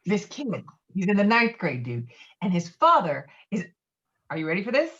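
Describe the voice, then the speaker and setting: A woman's voice: medium pitch, very animated, normal speed, fairly bright tone, dull audio. A woman playing a brash, foul-mouthed, domineering man in a script table read, talking in a blustering, insistent way. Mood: exasperated, forceful. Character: brash, foul-mouthed, domineering male friend named Walter. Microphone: video call.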